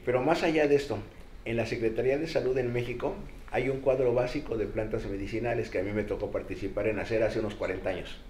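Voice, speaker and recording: A man's voice: mid-range voice, a little mellow. An older man with a Mexican accent, explaining things as a guest expert in a colloquial way. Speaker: guest expert, doctor and professor. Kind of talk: explanatory panel discussion. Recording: echoey room with faint noise.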